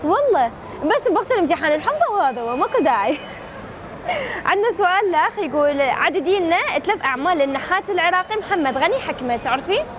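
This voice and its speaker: A woman's voice: very high-pitched, big pitch swings, quick pace. A woman with an Iraqi accent hosting a street quiz in a chatty, teasing, playful way. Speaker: street quiz show host. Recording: noisy busy public place, street and crowd sound.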